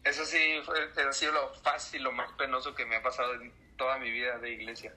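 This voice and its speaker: A young Mexican man in his twenties with a very bright, forward voice. He tells stories in a relaxed interview and acts out the people in them. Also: mid-range voice, brisk, poor audio. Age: 20s. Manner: animated storyteller, acts out voices. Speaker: church musician. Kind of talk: casual interview storytelling.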